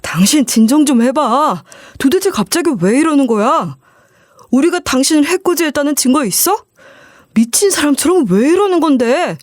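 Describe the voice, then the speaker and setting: A woman's voice: fairly low pitch, a little fast, a little mellow, no room sound, clean studio sound, natural voice. A woman voicing a cold, scheming husband who talks curtly and blusters. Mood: blustering.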